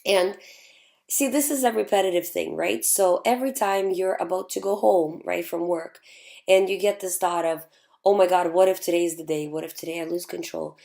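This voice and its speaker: A woman hosting a live show and answering viewer questions in a calm, reassuring way, her voice still hoarse from having lost it. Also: on the low side, moderate pace. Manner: calm, reassuring, repeats key points. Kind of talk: casual advice talk.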